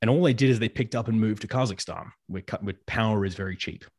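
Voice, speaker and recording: Speaking at a medium pitch, a man with an Australian accent shows ordinary pitch variation. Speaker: journalist and geopolitical analyst. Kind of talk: analysis discussion in an interview.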